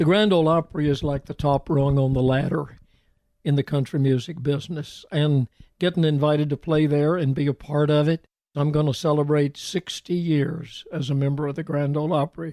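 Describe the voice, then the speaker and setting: With an American accent, a man speaks at a moderate pace in a fairly high pitch, his tone dark and mellow and his intonation monotone and flat. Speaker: country singer-songwriter. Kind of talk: interview answer. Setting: home dining room.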